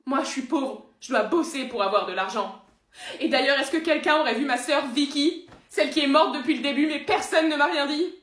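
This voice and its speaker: A woman voicing a young human man who complains loudly and whinily. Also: sits high, sing-song, takes it slowly, long pauses, exaggerated voice. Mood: aggrieved. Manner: whiny, emphatic complaining. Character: plain human young man, loud and aggrieved. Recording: roomy echo.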